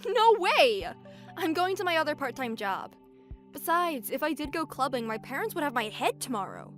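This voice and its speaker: A woman's voice: high voice, very animated, normal speed, a bit bright, soft background music. A woman playing an outspoken, fiery young woman who works as a cashier in a fan audio drama, with an emphatic, forthright manner. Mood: brisk, amused.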